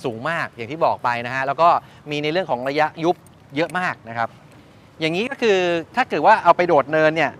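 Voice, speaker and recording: A motorcycle reviewer hosting a casual interview speaks fast and expressively in a slightly high, fairly bright voice. He explains things and checks back by restating his guest's answers. Traffic noise from outside the shop where they stand runs underneath.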